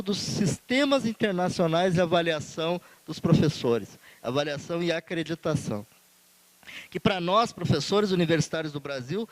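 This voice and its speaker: A man's voice: sits high, no echo, rough recording. A man with a Brazilian Portuguese accent giving a formal conference speech as a union leader, earnest and emphatic, building rhetorical lists.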